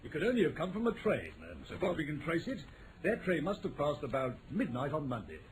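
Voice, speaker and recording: English police inspector, highish voice, eager n plain-spoken, old radio play, noisy recording. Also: male voice, very animated, fairly quick. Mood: matter-of-fact. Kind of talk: 1940s radio drama acting.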